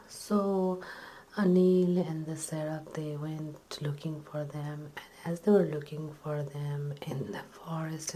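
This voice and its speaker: A woman telling a story in a breathy ASMR whisper, retelling it simply with hesitations and repeats. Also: low voice, dark tone, a little hiss or hum, rough recording.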